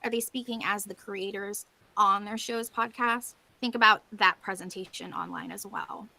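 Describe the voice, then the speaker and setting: A woman's voice: medium pitch, normal speed, sharp tone, poor audio. A woman giving an informal conference presentation as a panelist, explaining things in a conversational way.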